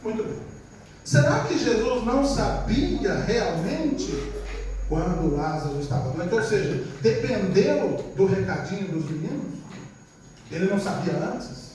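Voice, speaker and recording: A man with a very high voice preaches a storytelling sermon, chatting with the congregation and checking that they agree. He acts out family members' voices as he tells stories. The recording comes from a distant mic in a very echoey church, with faint noise behind. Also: big pitch swings, a little slow, darkish tone. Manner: conversational, often asks the congregation for agreement. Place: church service.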